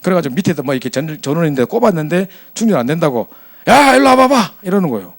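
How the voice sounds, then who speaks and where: Brief: male pastor, lively storyteller, quick and fairly high voice. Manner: animated, chatty storytelling with acted quotes. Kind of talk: storytelling sermon to young adults.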